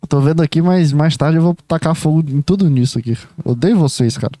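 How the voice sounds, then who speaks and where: A young man rambles through his own podcast, excitable and swearing freely as he talks straight at the listener. His voice sits a little high for a man yet sounds very warm and mellow. The recording is dry, with no room around him. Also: fast, no echo. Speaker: podcast host. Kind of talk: rambling casual monologue.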